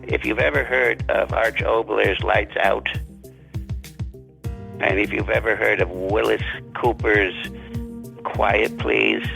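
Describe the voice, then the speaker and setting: Gravelly raspy guy getting interviewed, polite n kinda formal, puts himself down, radio-ish sound w music behind. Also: fairly low pitch, pushed and bright, low-quality recording. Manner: courteous, formal turns of phrase, self-deprecating. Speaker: author, interview guest. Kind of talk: conversational interview.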